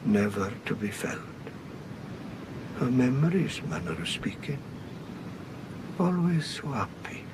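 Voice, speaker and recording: Brooding, wistful man for radio horror: halting, unhurried, on a noisy recording. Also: sing-song. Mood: wistful, sombre. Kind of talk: radio horror play acting. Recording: noisy rumbling 1980s radio drama.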